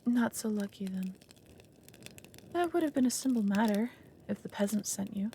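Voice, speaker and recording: Casting: a woman acting ancient female dragon, proud, brooding foster mother. Creaky voice, solemn delivery, fantasy audio drama, faint noise behind. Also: medium pitch, lively intonation, normal speed, warm tone. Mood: guarded, melancholy. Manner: solemn, speaks of herself as "we".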